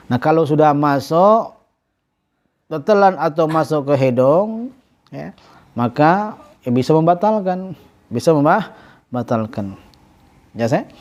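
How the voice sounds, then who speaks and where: A man teaching a religious study class, reading Arabic phrases slowly, then explaining them with many halting self-corrections and a repeated "ya". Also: on the high side, a little mellow. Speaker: ustadz teaching a kitab class. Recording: dull lo-fi recording.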